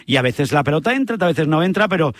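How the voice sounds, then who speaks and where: Fast-talking, enthusiastic Spanish radio host, man. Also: fairly high pitch, lively intonation. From Spain. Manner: chatty, enthusiastic, emphatic. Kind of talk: radio interview.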